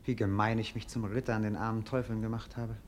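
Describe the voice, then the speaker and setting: An actor playing a melancholy, witty young prince in a classic radio play, eloquent and theatrical in a world-weary way. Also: male voice, fairly low pitch, level tone, fast, natural voice. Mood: weary, scornful.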